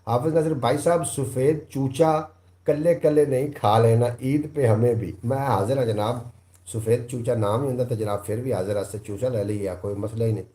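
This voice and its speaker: A man's voice: mid-range voice, normal speed, warm tone, reverberant. A man with a Punjabi accent hosting a live stream, reading out viewer comments, thanking people one by one and now and then reciting couplets. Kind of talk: casual live chat.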